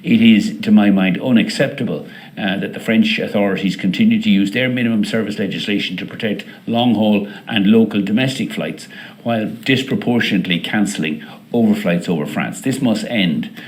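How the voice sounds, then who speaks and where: Low-voiced male airline executive. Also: brisk. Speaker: airline executive presenting results. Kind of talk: semi-scripted corporate earnings presentation.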